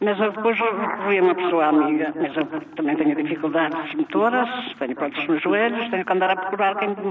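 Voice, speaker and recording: Noticeable background noise sits behind a woman of medium pitch who talks at a fairly quick pace with lively intonation. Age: 80s+. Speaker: caller, retired civil servant. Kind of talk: phone-in question. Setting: phone call.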